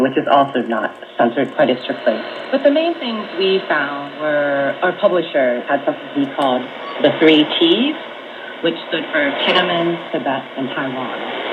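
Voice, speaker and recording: A woman giving conversational answers as an interview guest on shortwave radio. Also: a bass voice. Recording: noisy muffled shortwave radio reception.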